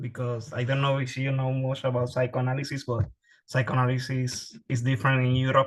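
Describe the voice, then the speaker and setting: A man's somewhat breathy, medium-pitched voice in a Spanish accent, monotone and flat, at a fairly quick pace. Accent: Spanish accent, noticeable. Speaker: psychologist. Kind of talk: training talk. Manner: halting, many repetitions.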